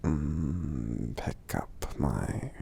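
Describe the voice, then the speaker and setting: A man voicing a gentle, sleepy, affectionate giant in a soft-spoken ASMR roleplay, murmuring slowly and hesitantly in a gravelly half-whisper. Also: very deep voice, animated, a little hiss or hum, exaggerated voice. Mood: drowsy, affectionate. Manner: slow, hesitant, murmuring with frequent hums.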